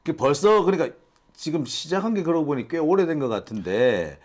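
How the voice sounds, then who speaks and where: A man in his sixties hosting a casual news discussion, asking questions and reacting with quick remarks. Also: fairly high pitch, lively intonation, a little mellow. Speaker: host.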